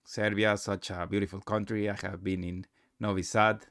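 A man narrating a casual software tutorial, speaking in halting, non-native English. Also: fairly low pitch, flat delivery, vocal fry, dry recording, clean studio sound.

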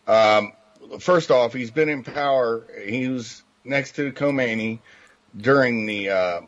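A man's voice: medium pitch, slow. A man who is a guest on a political talk show, speaking bluntly and in a matter-of-fact way. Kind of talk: political talk radio chat. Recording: dull lo-fi line.

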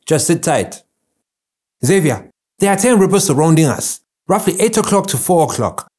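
Man acting a high-pitched young Ghanaian fighter. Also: sing-song, normal speed, darkish tone. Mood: urgent alarm. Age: young adult. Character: young Ghanaian male fighter radioing a threat report. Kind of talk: dramatic character audition.

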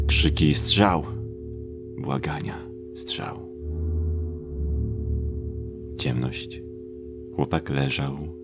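A man narrating a horror audio drama in a brooding way, in short, pause-laden phrases. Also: a bass voice, vocal fry. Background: atmospheric sound effects.

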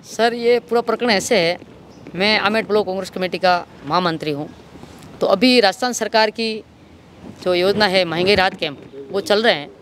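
High-voiced Rajasthani man, outdoors. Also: normal speed, fairly bright tone. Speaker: local political party worker, interviewee. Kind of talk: street interview, recounting an incident. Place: outdoors in an office compound. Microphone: handheld reporter microphone. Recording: outdoor street noise.

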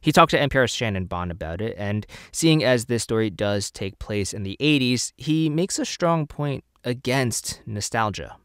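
Male podcast host reading a scripted intro, smooth and animated. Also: medium pitch, moderate pace, few pauses, dry recording, studio quality. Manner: lively, conversational delivery with a light laugh.

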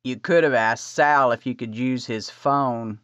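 A woman voicing a kind young husband with a lowered, soft, plain voice. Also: measured pace, no echo. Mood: groggy. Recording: slightly dull dry recording.

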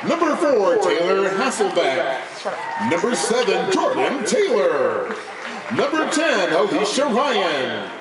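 Casting: middle-aged American man, stadium PA announcer, high lively voice, formal roll call with stretched-out names. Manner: formal, drawn-out emphasis on player names. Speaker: stadium public-address announcer. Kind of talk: announcing softball starting lineups. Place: stadium press box. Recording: echoey, distant mic, loud crowd noise.

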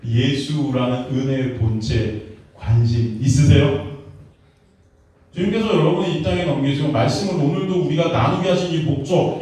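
A man in his thirties preaching a sermon as pastor, animated, dropping to a hush and then rising to shouted questions. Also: fairly high pitch. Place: church hall in a basement. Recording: echoey hall, mic far off.

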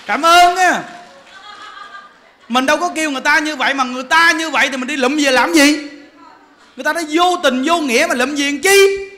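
Extremely high in pitch and sharp in tone, this man's voice belongs to a Buddhist monk preacher in his forties. He has a Southern Vietnamese accent and gives a dharma talk in a joking, laughing manner packed with rhetorical questions.

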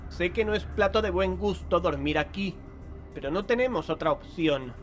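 A resolute, solemn investigator acted by a man in a horror audio drama. His voice sits a little high, with faint music behind it. He speaks with literary formality. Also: expressive, normal speed. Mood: firm, resolute. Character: resolute, solemn male investigator leading and narrating.

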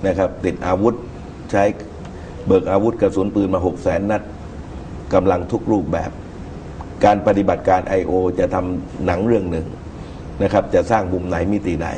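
A middle-aged man giving measured political commentary as a guest in a TV studio talk show, speaking into a lapel mic. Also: deep voice, steady tone, mellow, a little hiss or hum, rough recording. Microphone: lapel microphone.

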